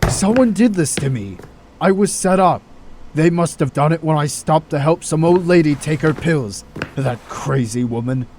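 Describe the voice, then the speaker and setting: A man's voice: a little high, lively intonation, moderate pace, darkish tone, lightly acted. A man acting a troubled, wrongly accused doctor in an audio drama, hesitant and earnest. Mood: indignant, protesting. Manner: hesitant, stammering, protesting. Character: distraught, indignant male doctor, wrongly accused. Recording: faint background noise.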